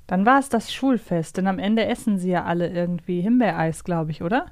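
A woman's voice: fairly low pitch, a little fast, a little mellow, no echo, studio quality. A woman hosting a casual quiz podcast, chatting and joking with her co-host. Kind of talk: casual quiz banter between co-hosts.

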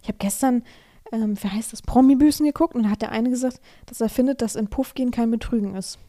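Hoarse woman podcast host, fairly high but warm, mellow voice, frank and direct, reads a letter aloud. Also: fast. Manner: frank, advising listeners directly. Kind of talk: casual podcast monologue, reading a listener's letter aloud.

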